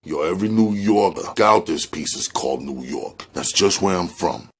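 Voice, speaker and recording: A man doing a cocky smooth-talking street hustler. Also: sits low, animated, moderate pace, heavily acted. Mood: flirty. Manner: slangy, cocky street talk.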